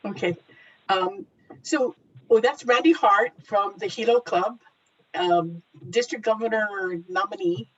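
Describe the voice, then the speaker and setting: A woman's voice: medium pitch, measured pace, husky. A woman leads a video call, upbeat and explanatory as she sums up points. Her audio is dull and lo-fi, a little muffled. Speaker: meeting chair. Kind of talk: leading a video meeting.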